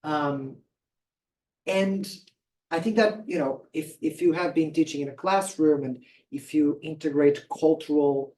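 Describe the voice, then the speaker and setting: A man from Portugal, asking a guest lecturer a long, thoughtful question and pausing often to find his words. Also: a little high, fairly even intonation, dark tone, a little hiss or hum. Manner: thoughtful, searching for words, hesitant. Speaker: audience member asking the speaker a question. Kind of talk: question after an academic lecture. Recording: voice picked up from far off the mic.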